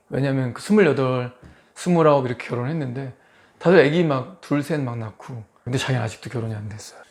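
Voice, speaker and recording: A man in his forties preaching an expository sermon as pastor, lively and full of rhetorical questions to the congregation. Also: medium pitch. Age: 40s.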